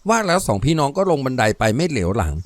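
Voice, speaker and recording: Expressive male audiobook narrator. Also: mid-range voice, racing, dry recording. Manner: expressive storytelling. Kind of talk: audiobook novel reading.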